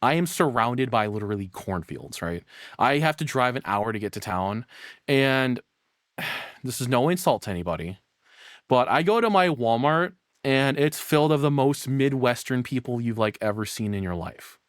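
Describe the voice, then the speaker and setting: Man, American accent, mid pitch, dry close mic, rambling livestream commentary, mild swearing. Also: animated, moderate pace, no room sound. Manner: rambling, self-interrupting, mildly profane. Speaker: streamer reacting to a video; voice actor.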